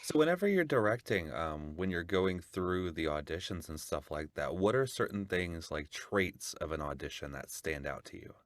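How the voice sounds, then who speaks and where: Male podcast host, extremely low voice, conversational interviewing, dry close sound. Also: sing-song, normal speed, few pauses, no room sound. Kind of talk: casual interview.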